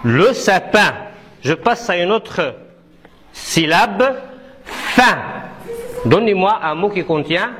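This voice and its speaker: A man's voice: high-pitched, lively intonation, slow pace, long pauses, fairly bright tone, a little hiss or hum. A man teaching pupils in a classroom, repeating syllables one at a time and correcting answers with short, firm replies. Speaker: primary school teacher. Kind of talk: classroom pronunciation drill.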